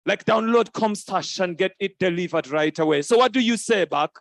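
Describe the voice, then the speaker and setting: A man hosting a live event on stage, playful and quick to laugh as he teases the crowd into repeating greetings. His voice sits high for a man. The sound is dry and close, with little room echo. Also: expressive. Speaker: event host. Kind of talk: lively crowd interaction. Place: conference hall stage.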